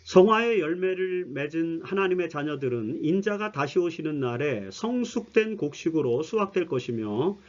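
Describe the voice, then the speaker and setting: A man's voice: a little high, highs cut off. A man teaching a broadcast Bible study lecture, explaining earnestly and speaking straight to his listeners. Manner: earnest explanatory preaching, addresses listeners directly.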